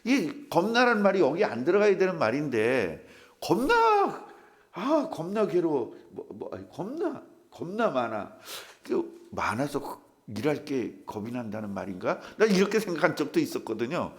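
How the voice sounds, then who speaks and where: A man's voice: on the high side, very animated, normal speed, few pauses. An older man, a pastor, preaching a humorous sermon in a church and acting out the voices of the people in his stories. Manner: humorous storytelling, acts out quoted voices.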